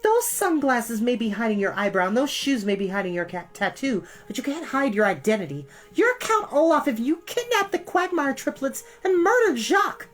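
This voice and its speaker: A man voicing a brave, sharp teenage orphan girl who presses her questions urgently, in a raised pitch. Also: sing-song, normal speed, hardly any pauses, soft background music, heavily acted. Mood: defiant.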